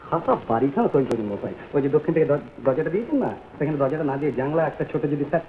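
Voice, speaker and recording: Actor as brash meddling buyer, low drawling voice, comic old film, tinny sound. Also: male voice, expressive, racing, a little hiss or hum, natural voice. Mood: pushy. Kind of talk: comic vintage film acting.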